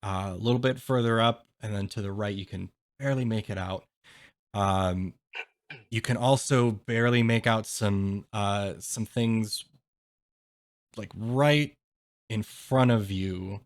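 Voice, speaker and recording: Low, slow-talking male game master. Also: dry recording, clean studio sound. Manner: hesitant, halting, explanatory. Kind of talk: casual tabletop game narration.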